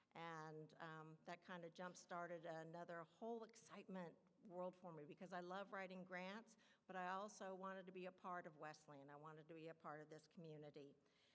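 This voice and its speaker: At a fairly quick pace, this is an unremarkable speaking voice with fairly even intonation. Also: woman, fairly low pitch for a woman. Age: 50s. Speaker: retired corrections director and county commissioner. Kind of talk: speech to a live audience. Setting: chapel with audience.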